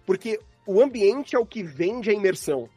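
A man's voice: high-pitched, lively intonation, normal speed, dark tone, no room sound, soft background music. A man with a Brazilian Portuguese accent chatting casually as a podcast guest, explaining by example with plenty of slang. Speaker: podcast guest, audio drama sound designer.

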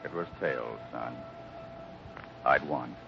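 An actor playing a grave, kindly Western ranch boss, speaking slowly and solemnly in 1950s radio drama style. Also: male voice, extremely low pitch, creaky, heavily acted. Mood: somber. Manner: slow, deliberate, solemn. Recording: muffled, noisy old radio recording.

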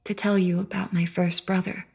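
A man voicing an eerie, pale, inhuman girl creature in a soft, breathy voice for an audiobook. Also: high voice, little pitch movement, moderate pace, voice pushed up, heavily acted. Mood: whispery. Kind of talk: audiobook character voice.

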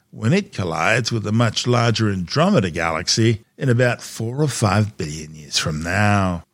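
Male science news narrator, lively melodic delivery, emphatic phrasing, tight dry studio sound. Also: on the low side, dry recording.

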